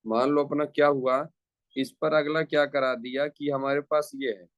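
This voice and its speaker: A man's voice: mid-range voice, steady tone, normal speed, no room sound, dull audio. A man teaching a chemistry lecture who repeats his phrases and asks rhetorical questions as he talks students through each step. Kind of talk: classroom lecture.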